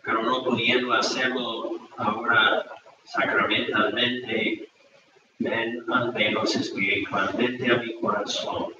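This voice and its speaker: An older male priest speaks very slowly and deliberately, with a low voice. The sound is dull and distant, with heavy chapel echo and steady background noise. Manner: slow and deliberate, with small hesitations. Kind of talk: slow recited prayer. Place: small chapel with altar, indoors.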